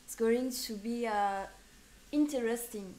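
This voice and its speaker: A French woman in her twenties chats playfully on a casual live stream, switching into accented English. Her voice is on the high side, slow, and warm in tone.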